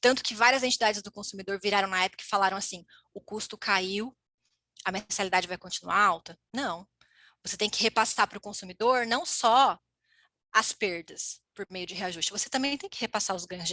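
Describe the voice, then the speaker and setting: In a dry, close recording with no echo, a woman talks at a fairly quick pace with a bright, sharp tone, a fairly high pitch and ordinary pitch variation. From interior of São Paulo state, Brazil (Votuporanga, northwest). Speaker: lawyer, panelist. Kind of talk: panel talk at an online symposium. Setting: online symposium streamed on YouTube.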